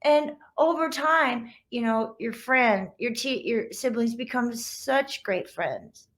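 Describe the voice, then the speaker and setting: A woman's voice: a little high, lively intonation, slow, a bit bright. A woman voicing a loving but firm mother dog in a children's storybook, giving patient, rhyming advice to her pups. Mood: gentle, instructive. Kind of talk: children's picture-book read-aloud.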